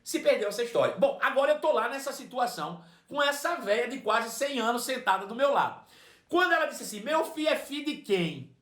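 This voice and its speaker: A man with a Brazilian accent preaching a sermon, telling a personal story in an animated way and repeating phrases for emphasis. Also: extremely high pitch, fairly quick, roomy sound. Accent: Brazilian Portuguese.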